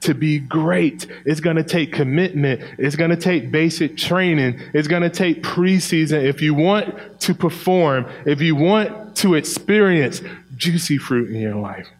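A man's voice: fairly high pitch, unhurried. A man with an African American English accent preaching a sermon, folksy and colloquial, driving points home with repeated phrases. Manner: emphatic, repeating key phrases for effect. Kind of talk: sermon to a congregation.

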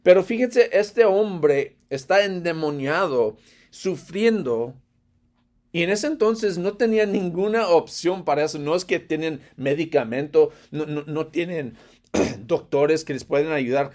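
A man preaching a sermon in an expressive way, rising loud and falling hushed, with frequent light laughs. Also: on the high side, unhurried.

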